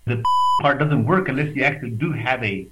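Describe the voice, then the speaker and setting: A man from the West Texas border region joins over a video call. His pitch sits in an ordinary middle range. He explains in an animated, thoughtful way, pausing and restarting as he goes. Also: dull audio. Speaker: radio guest, researcher. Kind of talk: conversational explanation.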